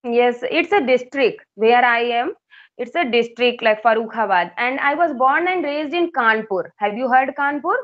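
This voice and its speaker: A woman's voice: a little high, expressive, normal speed, lo-fi sound. A woman in her thirties from Uttar Pradesh, India, a native Hindi speaker who tutors English, talking in hesitant English with an Indian accent, full of fillers and restarts. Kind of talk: casual English conversation practice.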